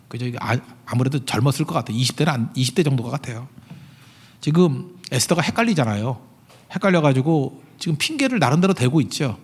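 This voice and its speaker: A middle-aged man preaching a sermon in a chatty, conversational way, with many rhetorical questions and sudden loud, emphatic peaks. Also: medium pitch, breathy edge. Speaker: pastor.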